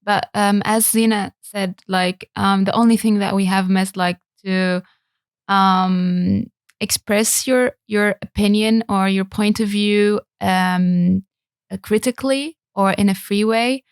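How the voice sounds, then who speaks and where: Gravelly-voiced woman from Syria. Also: mid-range voice, steady tone, no echo, studio quality. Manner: halting, frequent fillers. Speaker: guest. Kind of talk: interview talk.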